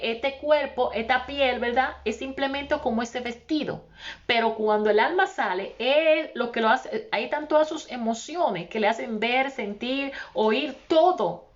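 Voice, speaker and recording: A woman's voice: a little high, highs cut off. A woman preacher giving an impassioned testimony and addressing her listeners as brothers. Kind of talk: testimony sermon.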